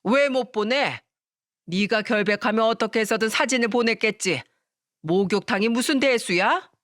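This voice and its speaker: A woman's voice: mid-range voice, normal speed, fairly bright tone, no room sound, lightly acted. Storybook mother-in-law, harsh and suspicious, scolding tone, dry close read; a woman voices her. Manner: scolding, accusing.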